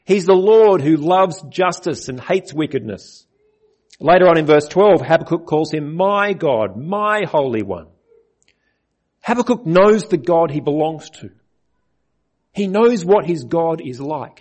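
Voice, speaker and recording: A man preaching an earnest sermon, his voice a little husky and pitched a touch high. He reads scripture aloud and asks his listeners direct questions as he explains it. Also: expressive, unhurried, darkish tone. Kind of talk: sermon on a Bible passage.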